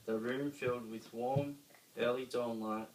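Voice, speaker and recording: A man with an Australian accent reads a children's story aloud, dramatically, with emphatic pauses. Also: medium pitch, steady tone. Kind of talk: expressive children's story reading. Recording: roomy, distant mic, faint noise.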